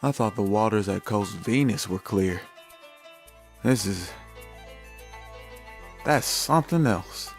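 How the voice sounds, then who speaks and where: A performer playing a teasing, wonder-struck adventurer in an audio drama, with drawn-out delivery. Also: deep voice, lively intonation, faint music behind, full character voice. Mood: awed.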